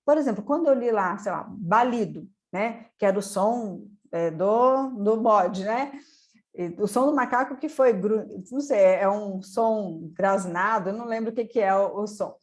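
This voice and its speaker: A woman's voice: medium pitch, measured pace. A woman with a Brazilian Portuguese accent, hosting and giving an instructional talk to camera in an explanatory way, often tagging her sentences with a questioning "né". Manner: explanatory, tags phrases with "né". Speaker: educator and channel host.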